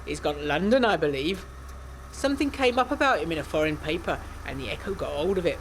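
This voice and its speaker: A woman's voice: deep voice, sing-song, brisk, slight background noise. Woman acting an opinionated country stable man. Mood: gossipy.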